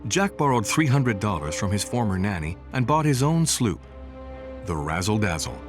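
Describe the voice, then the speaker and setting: Male documentary narrator: scripted, measured storytelling, lively rise and fall, music underneath. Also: lowish voice. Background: music bed.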